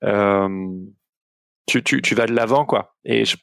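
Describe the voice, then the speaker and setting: A man's voice: mid-range voice, fairly even intonation, unhurried, gravelly, dry recording, studio quality. A young man, hosting a casual podcast interview, hesitant with many restarts. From Belgium. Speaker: podcast host.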